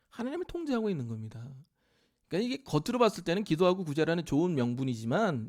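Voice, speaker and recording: Male pastor, sermon delivery, higher voice with a wide, animated pitch range. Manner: animated preaching, acting out self-righteous quoted voices. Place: church sanctuary.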